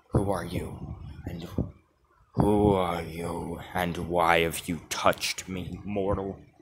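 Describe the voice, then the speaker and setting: A man puts on a character voice, very deep and low, speaking very slowly in a flat monotone. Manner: ominous.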